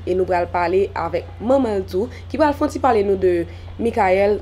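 A young woman hosting a TV interview on the shaded veranda of a home. She speaks with a mellow, relaxed voice and asks her questions in a friendly, steady way. A lapel mic picks her up, with faint ambience behind her. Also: medium pitch, a little hiss or hum. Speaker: TV magazine host.

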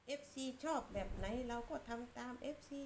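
A woman lectures bluntly in a casual commentary, repeating her points and scolding. Her voice is somewhat high with a gravelly edge, and faint ambient noise sits behind her. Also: normal speed, darkish tone. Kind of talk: casual opinion monologue.

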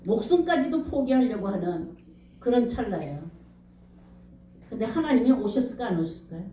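A woman's voice: on the high side, lively intonation, normal speed, warm tone, recorded from a distance. Emphatic woman pastor preaching, echoey church. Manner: emphatic, calls out questions to the congregation. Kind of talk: revival sermon. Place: church sanctuary. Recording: echoey room, speaker off-mic.

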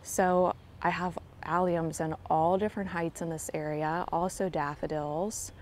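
Woman, low voice, chatty garden tour vlog, phone mic outdoors, faint ambience. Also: fairly even intonation, a little slow, a little hiss or hum. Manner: gentle, enthusiastic, chatty. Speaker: garden vlogger giving a tour. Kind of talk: casual walking garden tour. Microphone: handheld phone camera, filming while walking.

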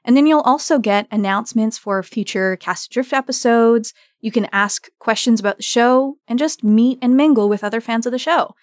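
A woman's voice: fairly high pitch, normal speed, hardly any pauses, dry recording, studio quality. A woman hosting an interview podcast in an effusive, conversational way. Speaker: podcast host.

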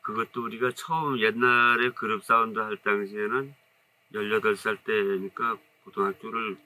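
A man in his fifties with a strong Jecheon regional accent, a saxophonist telling stories in a relaxed, rambling, modest way in an indoor studio. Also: lowish voice, moderate pace. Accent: Jecheon dialect of North Chungcheong. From Jecheon, North Chungcheong, Korea. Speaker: saxophonist guest. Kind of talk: casual interview storytelling. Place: indoor studio with curtain backdrop. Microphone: off-camera mic, seated two-shot.

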